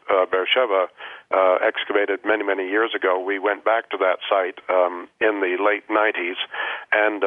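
A man, a guest Egyptologist, answering in a radio interview, halting with many ums and restarts. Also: fairly low pitch, dry recording. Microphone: telephone. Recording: tinny phone line.

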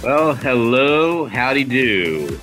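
A man's voice: mid-range voice, sing-song, slow pace, over music. A man hosting an interview show, upbeat and rambling in casual chat. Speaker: podcast host.

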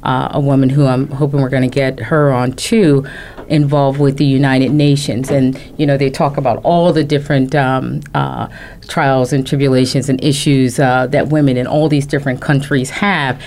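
A woman's voice: rumbling low, level tone, normal speed, a little mellow. A woman co-hosting a radio talk show, speaking casually with lots of "um" and affirming interjections. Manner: affirming, frequent backchannels, many fillers.

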